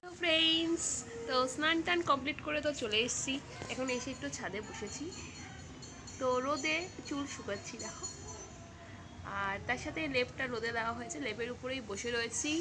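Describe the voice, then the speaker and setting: A woman's voice: high voice, brisk, music in the background. A woman chatting casually to her viewers in a home vlog, talking to them like friends. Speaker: vlogger. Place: rooftop and home.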